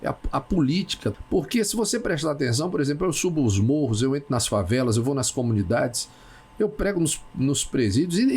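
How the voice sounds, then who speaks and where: Gravelly husky man, halting speech. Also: a little high, a little mellow. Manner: halting, repeats words while searching for them. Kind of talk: casual talk show conversation.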